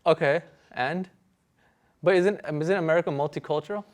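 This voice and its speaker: A man's voice: fairly high pitch, brisk. A young man in his twenties whose first language is Urdu, persistently questioning the host in a debate. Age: 20s. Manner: persistent questioning, repeats and restarts. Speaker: guest. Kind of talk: heated debate.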